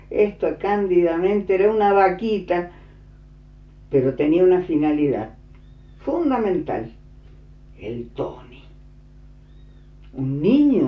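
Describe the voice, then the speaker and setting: A woman's medium-pitched voice at a very slow pace, with very wide pitch swings and music in the background. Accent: Argentine. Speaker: storyteller. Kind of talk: storytelling, personal memoir.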